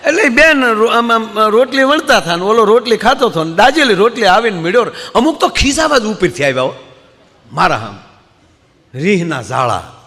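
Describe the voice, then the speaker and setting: Man, comic storyteller, high voice, swings up and down, hall echo, live stage. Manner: animated, acts out characters in quick voice shifts. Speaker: folk comedian storyteller. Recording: hall reverb.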